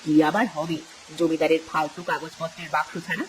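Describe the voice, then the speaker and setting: A woman's voice: low voice, fairly even intonation, brisk, slight background noise, close to an everyday voice, rough recording. A woman voicing a greedy, scheming village wife in a cartoon, bossy and scolding. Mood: scornful. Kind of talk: dubbed cartoon acting.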